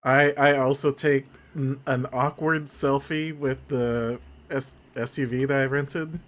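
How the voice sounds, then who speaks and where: A man's voice: medium pitch, fairly even intonation, measured pace, fairly bright tone. A man speaking casually as a player in a tabletop game, narrating his character.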